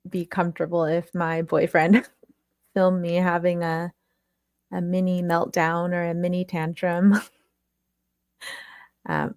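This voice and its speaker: Low-voiced woman commenting casually. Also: darkish tone, no echo, clean studio sound. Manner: chatty, laughs between points, self-correcting. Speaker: watch-party commentator.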